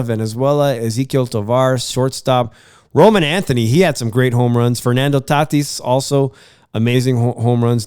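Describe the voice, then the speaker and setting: A man's voice: medium pitch, a little mellow, clean tone, no echo, clean studio sound. A congested man hosting a sports podcast, chatting casually about baseball and boxing, rambling with many uhs and restarts.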